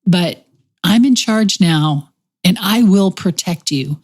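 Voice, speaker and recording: A middle-aged woman with a Texas accent talks in a calm, reflective way. Her voice sits a little low, and she keeps a gentle, reassuring tone as she explains ideas in conversation. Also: slow pace, breathy edge. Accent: Texan. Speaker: podcast host. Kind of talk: conversational podcast chat.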